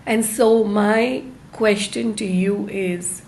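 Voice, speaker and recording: A woman hosting a live online self-help talk, speaking to her viewers in a halting, deliberate way with stressed phrases. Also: medium pitch, steady tone, a little mellow, a little hiss or hum. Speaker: host of a live-streamed self-help series.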